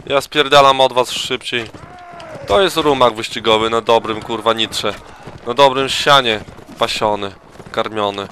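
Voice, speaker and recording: A man's voice: mid-range voice, measured pace, pushed and bright, slight background noise. A tired man giving crude casual gaming commentary, swearing heavily and throwing in mock battle cries. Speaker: let's play gamer.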